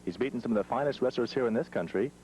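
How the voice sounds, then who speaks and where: A man's voice: mid-range voice, racing, a little mellow, low-quality recording. A man working as a wrestling interviewer in a broadcast interview on an old TV tape. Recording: old TV tape, faint hum.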